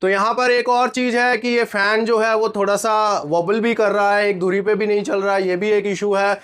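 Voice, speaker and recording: A man's voice: high-pitched, flat delivery, normal speed, a bit bright, smooth. A man hosting a casual product review vlog with a sore throat, chatting viewers through a live test. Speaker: product reviewer, channel host.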